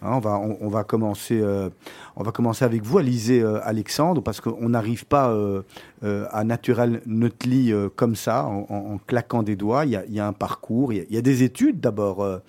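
A man's voice: fairly low pitch, fairly quick, darkish tone, no room sound. A man hosting a business talk show, hesitant and often repeating his words. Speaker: host.

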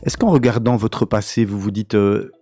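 A man's voice: lowish voice, little pitch movement, moderate pace, warm tone, no echo, soft background music. A man interviewing a guest informally, putting his questions in a casual, repeating way.

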